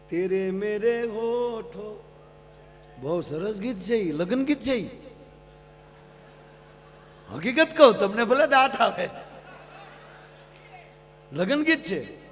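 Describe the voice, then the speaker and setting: A man's voice: sits high, a little hiss or hum. A man, a folk comedian telling stories to a live crowd, who keeps addressing the audience and acts out the voices in his jokes. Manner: lively storytelling with acted quotes and asides to the audience. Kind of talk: Gujarati folk stage humor storytelling. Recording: live stage PA with long hall reverb.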